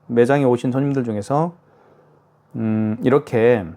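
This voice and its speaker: A man's voice: medium pitch, steady tone, normal speed, warm tone. Chatty man demonstrating a card terminal. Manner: chatty, self-narrating each step, frequent "자" and "그죠?". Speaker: product demonstrator. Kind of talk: casual product tutorial. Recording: faint hiss with device clicks.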